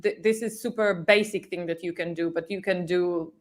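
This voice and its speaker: A woman's voice: fairly low pitch, steady tone, normal speed. A woman speaking as a guest in a casual panel discussion, informal and often searching for words. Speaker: talk show guest.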